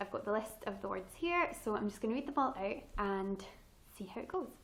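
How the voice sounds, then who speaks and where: A woman speaks in a West Central Scottish accent. Her pitch is fairly high and her intonation lively. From Scotland, near Glasgow. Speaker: beauty vlogger. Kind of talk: casual vlog chat; reading word list aloud. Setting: indoors at home by a window.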